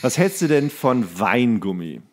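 A man's voice: medium pitch, sing-song, a little slow. A man co-hosting a podcast, telling rambling, jokey anecdotes in casual banter. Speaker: podcast co-host.

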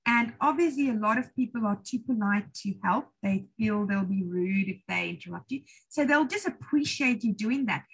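A woman's voice: medium pitch, normal speed, creaky, hardly any pauses, husky, rough recording. A middle-aged South African woman, an English trainer, answering questions on a video call in a chatty, encouraging way. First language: English or Afrikaans. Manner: chatty, encouraging, self-deprecating. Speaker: IELTS trainer hosting a webinar. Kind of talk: webinar Q&A answers. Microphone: laptop video call.

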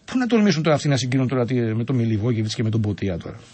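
A man speaking as a radio sports pundit, measured and wry, analyzing football fans. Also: mid-range voice, very animated, darkish tone, breathy edge.

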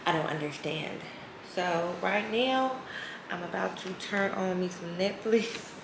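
A woman's voice: fairly low pitch, a little slow, gravelly, roomy sound, noisy background. A woman vlogging from a hotel room, chatting candidly and swearing freely. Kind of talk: casual vlog chat.

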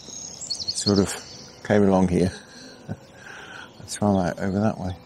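A middle-aged man from England talks through his fishing session outdoors on a canal bank at dawn. His voice sits low and deep, and his manner is relaxed and chatty, thinking aloud with easy fillers. Faint outdoor ambience with birdsong runs underneath. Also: takes it slowly, a little hiss or hum. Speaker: angling vlogger. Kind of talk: casual commentary while fishing. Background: birdsong and insects.

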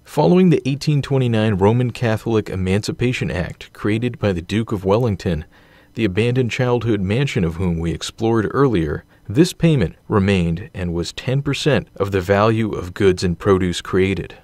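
A man narrates a history documentary in a low, measured voice. He reads dates and figures at an even, steady pace. The recording is dry and close, with no room sound. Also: no echo.

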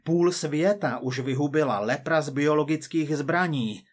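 A man voicing a calm, resigned male scientist on the run, speaking plainly and steadily. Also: on the high side, husky.

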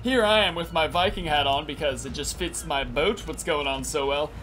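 A young man in his twenties doing energetic, crude gameplay commentary in a small room, his voice raspy because he just woke up. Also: on the high side, normal speed, faint music behind. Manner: energetic, crude, rambling with lots of "like". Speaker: gaming YouTuber. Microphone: headset.

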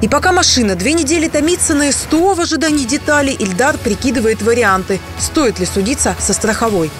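A woman reading scripted news narration in a measured, wry way. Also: high-pitched, lively intonation. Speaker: news reporter. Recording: voice-over with music underneath.

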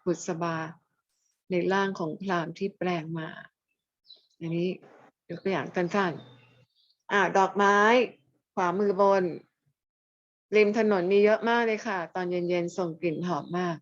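A woman teaching a language lesson over a video call, asking questions, chiding quiet students and then answering her own questions. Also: lowish voice, unhurried, pauses often, no echo. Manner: chiding students who stay silent, asking questions and answering them herself. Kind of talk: online class lecture. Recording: dull lo-fi dry audio.

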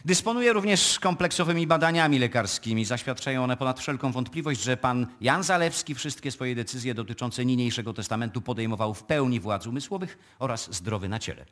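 An actor playing a formal, discreet male notary in a radio play, speaking in a measured, officious manner. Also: medium pitch, expressive, fairly bright tone, natural voice. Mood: formal, official. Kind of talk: live radio play acting.

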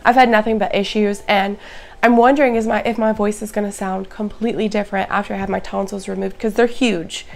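A chatty woman with a hoarse, raspy voice and plenty of gravelly fry running through it. She talks through a casual home vlog, upbeat and speaking straight to her viewers at a middling pitch. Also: steady tone, brisk, a little mellow. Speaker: plant vlogger. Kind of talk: casual show-and-tell vlog.

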